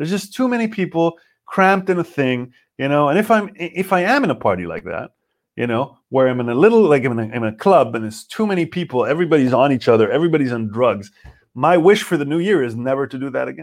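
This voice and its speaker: The speaker has an Israeli accent and talks at a very fast pace with very wide pitch swings. The recording is very clean, with a silent background. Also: man, fairly high pitch for a man. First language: Hebrew. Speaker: comedian. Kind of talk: casual chat. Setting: live stream.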